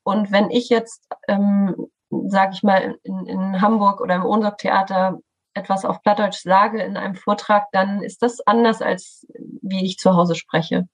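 Friendly woman, slightly husky. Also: mid-range voice, fairly even intonation, a little slow. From Schleswig-Holstein, northern Germany. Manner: friendly, thoughtful, many fillers and restarts, laughs lightly. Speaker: artistic director of a theatre studio, guest. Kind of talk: podcast interview, explanatory.

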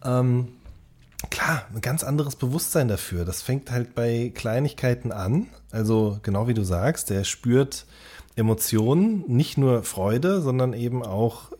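A man's voice: mid-range voice, expressive, a little slow, warm tone, slightly rough. A man with a German accent talking casually as a podcast co-host in an earnest, reflective way.

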